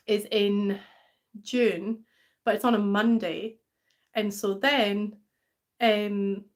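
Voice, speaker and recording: Woman, young adult, mixed English-Scottish accent, slightly high voice, rambling live stream chat. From England. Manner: chatty, rambling, many fillers and restarts. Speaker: livestream host. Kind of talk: casual live stream chat reading comments.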